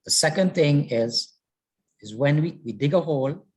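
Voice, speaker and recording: A man's voice: on the high side, expressive, normal speed, a little mellow, husky. A man giving a step-by-step practical explanation as a presenter.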